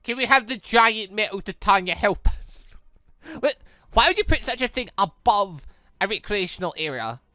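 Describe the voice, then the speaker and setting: A man hosting a let's play, reading visual novel dialogue aloud in an animated way and reacting excitedly as he goes. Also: high-pitched, moderate pace, dry recording, clean studio sound. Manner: animated, stumbles while reading and exclaims at the story.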